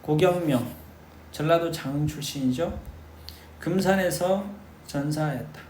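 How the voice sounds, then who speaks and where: Unhurried and emphatic, a man teaches history to students preparing for exams, throwing rhetorical questions at them. His voice is on the high side with a darkish tone, and the recording carries an echo plus faint noise.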